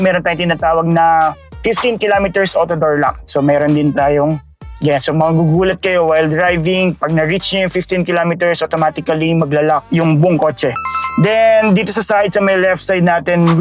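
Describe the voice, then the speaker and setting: A man with a Filipino accent giving a casual walkaround tour of a car's interior, explaining each feature step by step with many fillers. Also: high voice. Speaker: car sales presenter. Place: inside a parked car.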